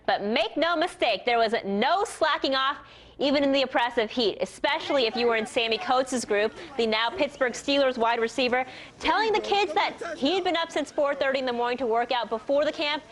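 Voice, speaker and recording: A woman's voice: high voice, a little fast. A woman with an American accent reading scripted sports news as a TV anchor.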